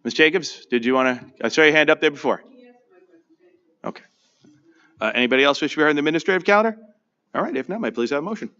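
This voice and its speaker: A man chairing a town board meeting as supervisor, talking briskly, informally and in a friendly way, in a town hall meeting room. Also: on the high side, animated, bright, forceful tone. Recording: dull lo-fi livestream audio.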